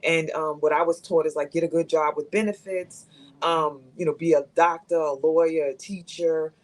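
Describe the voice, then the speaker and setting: A woman's voice: sits low, fairly even intonation, normal speed. A woman in her fifties speaking candidly as a guest on a live talk show, reflective and thoughtful. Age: 50s.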